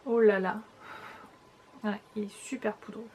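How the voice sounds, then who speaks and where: A woman's voice: mid-range voice, level tone, measured pace, gravelly, darkish tone, a little hiss or hum. A young woman vlogger chatting casually through a makeup haul, talking straight to her viewers with frequent small restarts. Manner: chatty, hesitant restarts, addresses viewers directly. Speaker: beauty vlogger.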